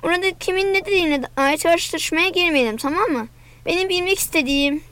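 A woman reading the lines of a calm, formal male police officer. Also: very high-pitched, no room sound. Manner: formal, measured.

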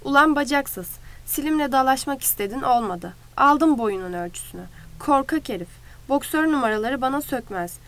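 A woman voicing a gruff adult male ranch hand who talks coarse and taunting. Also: sits high, expressive, normal speed, hardly any pauses, fairly bright tone.

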